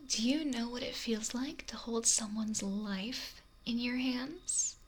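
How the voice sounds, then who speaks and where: A woman voicing a possessive, lonely, wealthy female mafia boss in a whispery, breathy, domineering ASMR roleplay, close to the microphone. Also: a little high, slow pace. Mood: possessive, yearning. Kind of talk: intimate ASMR roleplay monologue. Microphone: close binaural microphone. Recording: noisy close binaural whisper recording.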